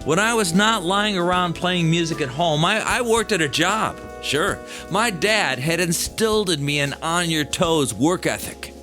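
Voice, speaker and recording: A man's voice: a little high, expressive, measured pace, few pauses, pushed and bright. A middle-aged American man telling a first-person story in a conversational, folksy way. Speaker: podcast host and storyteller. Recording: music playing behind the voice. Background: background music.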